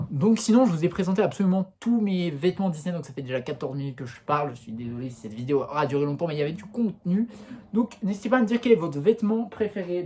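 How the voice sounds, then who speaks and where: Young man, casual vlog, slangy and chatty, warm mellow tone, bouncy delivery. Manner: chatty and slangy, bouncing pitch, frequent fillers. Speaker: YouTuber. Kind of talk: casual vlog, showing off clothes.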